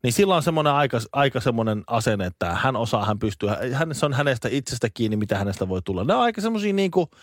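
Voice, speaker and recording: A Finnish man co-hosting a podcast, chatting in an animated, rambling way with many restarts. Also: medium pitch, few pauses, no echo, clean studio sound. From Finland. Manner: animated, rambling, with false starts. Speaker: podcast co-host. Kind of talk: casual chat.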